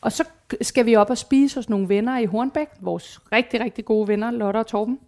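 Woman, 40s, slightly high voice, frank and animated storyteller in casual conversation. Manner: animated, candid, swears casually, acts out quoted voices. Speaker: guest. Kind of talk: casual chat, personal storytelling.

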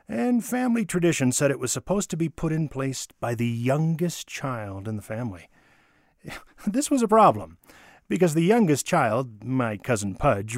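A man giving a theatrical, expressive dramatic reading of a childhood holiday memoir, with wonder and deliberate pauses. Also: medium pitch, no echo, studio quality. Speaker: storyteller. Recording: music under the voice. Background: music.

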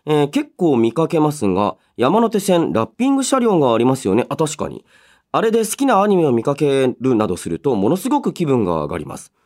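A man hosting a solo radio show, chatting and reading listener mail in an animated way, slipping between polite announcing and casual asides. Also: a little high, fairly quick. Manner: animated storytelling with sound-effect words and casual asides.

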